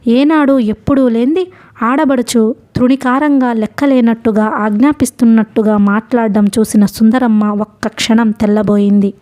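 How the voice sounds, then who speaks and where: A woman narrating a novel in a steady, expressive storytelling manner. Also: on the high side, normal speed. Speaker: audiobook narrator.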